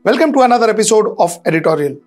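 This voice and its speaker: Female editorial presenter with an Indian accent, medium pitch, slightly strained throat, stressing points through repetition, over faint music. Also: expressive, racing, a little mellow. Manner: emphatic, repeats phrases for stress. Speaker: host of an editorial show. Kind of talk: scripted editorial commentary addressed to viewers.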